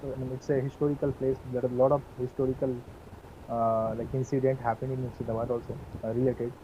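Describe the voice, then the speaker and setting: A man in his twenties from West Bengal with a Bengali accent, practising English on a video call, polite and hesitant with many pauses. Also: mid-range voice, little pitch movement, lo-fi sound, slight background noise. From West Bengal, India. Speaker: English learner.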